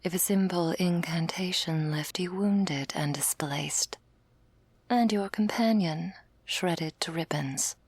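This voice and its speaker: A woman playing a stern, condescending female elder angel, speaking in a measured, patronising whispered role-play with a breathy, creaky voice. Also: on the low side, darkish tone, no echo, exaggerated voice. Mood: cool, condescending.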